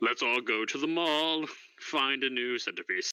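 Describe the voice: A man does a put-on character voice at a medium pitch. His pace is moderate and his pitch varies in an ordinary way.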